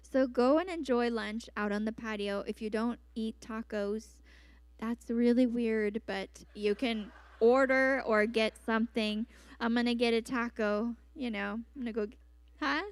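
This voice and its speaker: A woman at a church service reads out announcements and words of healing in a bright, chatty way, breaking off for playful asides. Her voice sits a little high. The sound is dry and close, with no room echo. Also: a little slow, clear, resonant tone. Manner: upbeat, chatty, with self-aware asides. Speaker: church host making announcements. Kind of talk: post-sermon announcements and words of knowledge.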